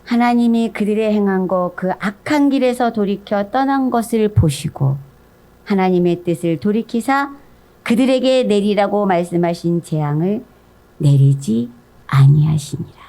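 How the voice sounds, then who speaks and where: A woman giving an animated sermon, telling the story with a voice that swings between soft and loud. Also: mid-range voice, normal speed. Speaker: pastor's wife preaching.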